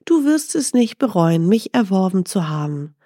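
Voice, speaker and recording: A woman voicing a small, clever talking gazelle in a storybook, speaking softly and persuasively. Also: mid-range voice, very animated, moderate pace, no echo, clean studio sound. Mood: gentle. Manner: soft, gently persuasive.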